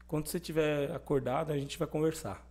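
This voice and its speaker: A young adult man appears as a podcast guest, sharing his personal faith story in lively conversation and acting out the voices of the people he quotes. His pitch is fairly high and he talks a little fast.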